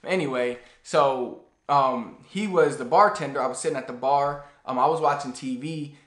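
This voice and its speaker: A man in his thirties giving a casual, animated lesson to the camera in a small room. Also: mid-range voice, normal speed, roomy sound. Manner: animated, gestures a lot while talking. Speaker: language teacher. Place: small plain room indoors.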